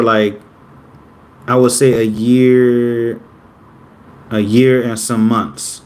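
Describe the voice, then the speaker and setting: Slow-talking young man, rambling. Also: fairly low pitch, slight background noise. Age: 20s. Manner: rambling, self-correcting, upbeat about himself. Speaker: vlogger. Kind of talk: casual talk to camera.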